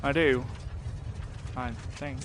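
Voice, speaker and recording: A man's voice: medium pitch, steady tone, slow, noisy background, lightly acted. Guy acting as a wary sarcastic delivery guy, audio drama, wry and casual, night bugs in the background. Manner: wry, sardonic, informal.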